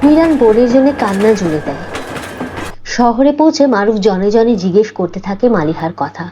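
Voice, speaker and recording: A woman's voice: mid-range voice, animated, a little fast, warm tone, a little hiss or hum. A woman narrating a scripted cartoon story.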